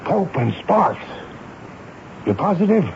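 An actor playing a stern, commanding army commander questioning subordinates with clipped authority in a 1970s radio drama. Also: male voice, high voice, very animated, takes it slowly, a little mellow, full character voice. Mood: brisk, probing. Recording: muffled, noisy 1970s radio broadcast.

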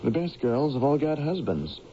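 An actor playing a calm, friendly small-town policeman in a radio drama, coaxing and matter-of-fact. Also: mid-range voice, moderate pace, natural voice. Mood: soothing, practical. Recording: muffled, lightly noisy old radio recording.

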